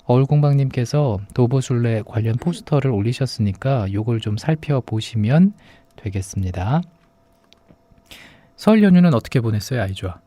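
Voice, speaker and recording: Male host, for casual radio talk; dark, relaxed tone, recorded dry. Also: mid-range voice, moderate pace, no room sound. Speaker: radio show host, announcer. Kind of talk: casual conversational hosting.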